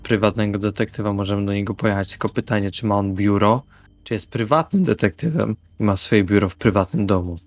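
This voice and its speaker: Lower-voiced man playing a tabletop game. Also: fairly quick, no room sound. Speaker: player in a role-playing session. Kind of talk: casual in-character table talk. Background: background music.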